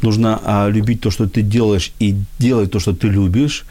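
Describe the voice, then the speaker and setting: A man's voice: lowish voice, steady tone, moderate pace, dark tone. A man with a Belarusian accent hosting a casual live discussion, restating his points for emphasis as he goes. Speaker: host. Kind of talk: casual live discussion, answering viewer questions.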